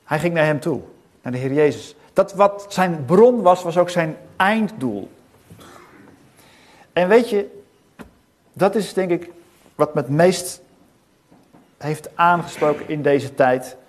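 A middle-aged man delivers a sermon in a church, his voice sitting a little high for a man. He speaks earnestly and puts rhetorical questions to the congregation. He pauses between short phrases. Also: lively intonation. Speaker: preacher. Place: church hall.

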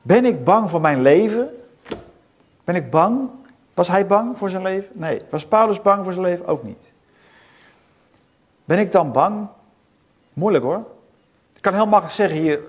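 Middle-aged man, preacher, sermon, earnest, rhetorical questions, pausing, somewhat high voice. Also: breathy edge. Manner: earnest, asks many rhetorical questions, pauses between phrases. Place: church hall.

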